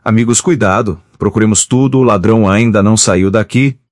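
A man's voice: lowish voice, a little fast, darkish tone, no echo, clean studio sound, natural voice. A man reading the part of a bold male neighbor who runs a shop, in a stage play. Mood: determined.

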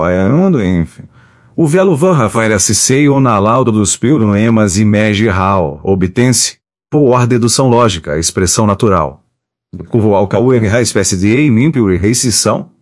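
A man reading a chapter of an audiobook in a steady, measured way. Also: lowish voice, dry recording, clean studio sound. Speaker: audiobook narrator.

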